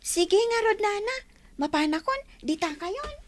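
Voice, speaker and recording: A woman's voice: very high-pitched, lively intonation, a little slow, a little hiss or hum. A woman voicing a timid small child. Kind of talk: audio drama acting.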